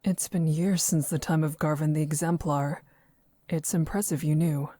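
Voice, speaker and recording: A woman's voice: sits low, steady tone, moderate pace, warm tone, dry recording. An actress playing a composed, reserved young woman traveler in a visual novel, speaking formally and with restraint. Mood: subdued, wistful.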